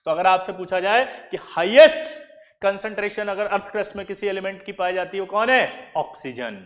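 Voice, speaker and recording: High-voiced man teaching chemistry. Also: a little fast, fairly bright tone, in a large hall. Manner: quizzes listeners with repeated questions. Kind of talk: classroom lecture.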